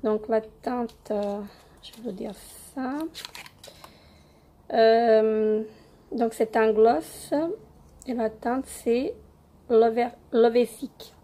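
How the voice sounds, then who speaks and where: Slow, hoarse young woman reviewing makeup. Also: a little high, steady tone, warm tone. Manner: hesitant, many fillers and repeated words. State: hoarse from a cold. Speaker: beauty vlogger. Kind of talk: casual product review.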